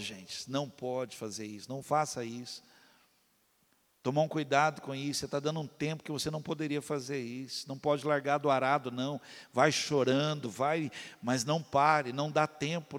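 A man preaching a sermon as a pastor, swinging between loud impassioned pleas and low quiet asides. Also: in a large hall.

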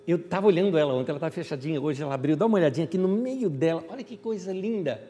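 A man voicing a calm, gentle teacher who softly coaxes a listener to look at nature. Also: high voice, moderate pace, long reverb tail, slight background noise. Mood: coaxing. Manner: soft, coaxing, repeating invitations.

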